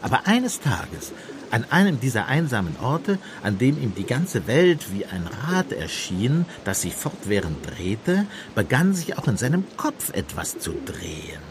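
An actor playing a gentle, shrewd priest-detective in a German radio play, speaking in a musing, deliberate, softly pointed way. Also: male voice, medium pitch, a little hiss or hum. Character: gentle, shrewd priest-detective, mild-mannered, quietly probing.

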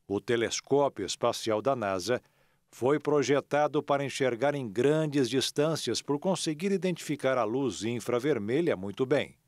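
A man reading a scripted science news report as a voice-over, even and explanatory. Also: mid-range voice, no echo, studio quality.

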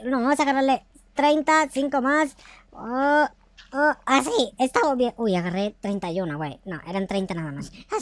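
A man's voice: extremely high pitch, a bit bright, dry recording. A man with a Mexican accent voicing a naive, cheerful young noob in a Minecraft roleplay, chatty and giggly as he talks to himself. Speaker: YouTuber playing a roleplay character.

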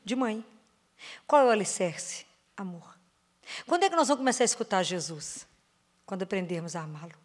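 With lively intonation, a woman with a Brazilian Portuguese accent preaches to a parish prayer group in a church or parish hall. She asks her listeners questions, slows on stressed words and dips into a soft, low voice on key phrases.

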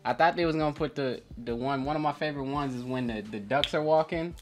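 A man's voice: mid-range voice, quick pace, faint music behind. A man as a guest in a casual reaction chat, talking in a slangy, informal way.

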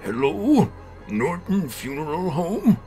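A man voicing a sneering, gloating old doctor in a dramatic horror comic reading, with a theatrical, drawn-out delivery. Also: fairly high pitch, very animated, over music. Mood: feigned concern. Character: sneering, gloating old doctor who poisoned his friend.

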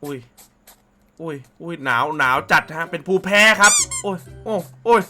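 A man hosting a casual reaction video, excitable and full of exclamations and swearing. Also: a little high, moderate pace. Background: background music.

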